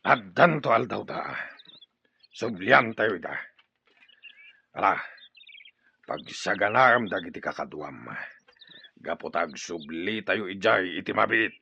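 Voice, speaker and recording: An actor playing an aggressive, vengeful tribal chief in a radio drama. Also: male voice, on the low side, takes it slowly, gravelly, pauses often, breathy edge, dull audio, exaggerated voice. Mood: gruff, scheming. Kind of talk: Ilocano radio drama acting.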